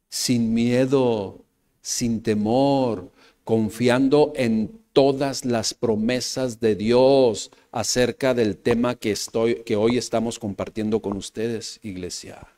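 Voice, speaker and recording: A man with a Mexican Spanish accent preaching a sermon to a congregation, repeating phrases and calling out to the brothers and the church, moving between loud emphatic bursts and soft low asides. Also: fairly even intonation, slow pace. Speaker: pastor.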